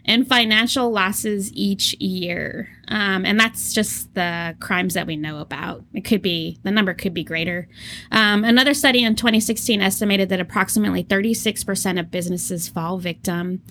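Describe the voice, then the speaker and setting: A woman's voice: medium pitch, normal speed, a bit bright, a little hiss or hum. A woman co-hosting a casual podcast, telling stories, laughing often and acting out what people said. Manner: storytelling, laughing often, acts out quotes. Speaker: podcast co-host.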